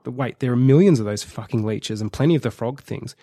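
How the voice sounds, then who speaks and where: A blunt female dive leader states hard facts plainly, voiced by a man in his usual tone. The voice is gravelly, and it sits dry and close to the mic. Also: medium pitch, fairly quick, warm tone, no room sound, lightly acted.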